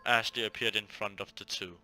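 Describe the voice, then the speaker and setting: A man with a fairly low voice narrates a visual novel as a let's play host. He mixes story reading with offhand casual remarks, and music plays clearly behind him. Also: steady tone, a little fast, sharp tone.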